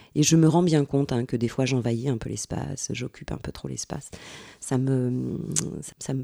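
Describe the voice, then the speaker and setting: With a very deep, low pitch and a dark, mellow tone, a woman speaks at a moderate pace with ordinary pitch variation. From Île-de-France. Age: 50s. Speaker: behavioural therapist. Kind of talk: podcast interview.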